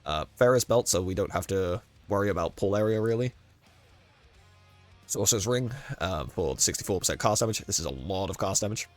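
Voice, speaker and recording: Low-voiced man with a stuffy cold. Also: brisk, soft background music. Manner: relaxed, rambling, frequent ums and self-corrections. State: congested with a cold, losing his voice. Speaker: gaming guide creator. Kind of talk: casual gameplay walkthrough commentary.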